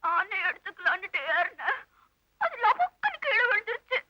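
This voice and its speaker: A woman's voice: extremely high pitch, big pitch swings, normal speed, muffled recording, music in the background. An actress playing a grown young woman with a childlike mind, whining and complaining to her grandmother in a 1980s film. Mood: whiny.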